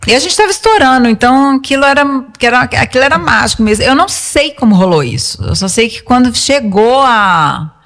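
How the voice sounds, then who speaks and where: A woman's voice: fairly high pitch, lively intonation, fairly quick, hardly any pauses, fairly bright tone. Brazilian woman in a long reverberant space. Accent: Brazilian Portuguese. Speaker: singer being interviewed. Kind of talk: casual interview storytelling.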